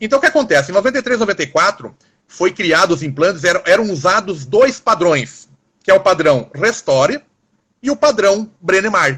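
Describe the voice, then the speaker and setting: A man talks in a raised, projected voice with a bright, sharp tone. His pitch sits high and swings very widely. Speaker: guest professor of dental prosthetics. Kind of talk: live-stream teaching talk. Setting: Instagram live video call. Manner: fast; fluid.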